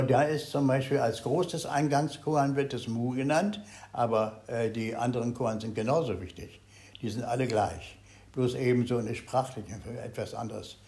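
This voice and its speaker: An older man with a medium-pitched voice gives a Zen meditation talk to a group. He speaks haltingly, searching for words, and swings between loud and very soft.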